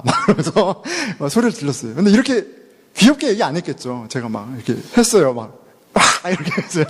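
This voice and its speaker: A man's voice: on the high side, darkish tone. A middle-aged man preaching a casual, chatty sermon as a pastor, self-deprecating and laughing often, dropping English words into his talk. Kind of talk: conversational sermon. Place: church sanctuary. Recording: long church reverb.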